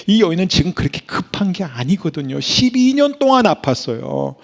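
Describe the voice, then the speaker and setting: A middle-aged male pastor preaching a sermon, swinging from hushed whispers to loud, emphatic bursts. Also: fairly high pitch.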